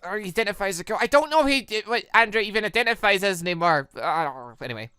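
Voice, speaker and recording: A young adult gaming host giving excitable, exasperated let's play commentary while reading visual novel dialogue aloud. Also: mid-range voice, rapid-fire, smooth, dry recording, studio quality. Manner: excitable, exasperated reactions between read lines.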